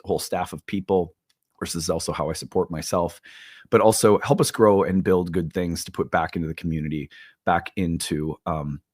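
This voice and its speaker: A man's voice: low voice, no echo, studio quality. A man hosting an online talk show, making an earnest, upbeat appeal with some fillers. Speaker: host. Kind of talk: casual talk and fundraising appeal.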